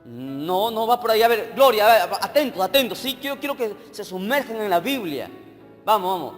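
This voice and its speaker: A man preaches a sermon in a fairly high voice, asking the congregation questions all the time. He swings from loud bursts to near-hushed lines. His voice rings with a long reverb, and soft music plays under it. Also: very animated, moderate pace. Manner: emphatic, questions the congregation often. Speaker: evangelist preacher.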